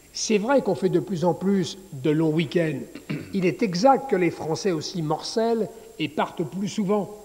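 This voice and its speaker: A man's high-pitched voice at a fairly slow pace, with lively intonation. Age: 50s. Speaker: travel company executive. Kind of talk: interview. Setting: public conference in an abbey.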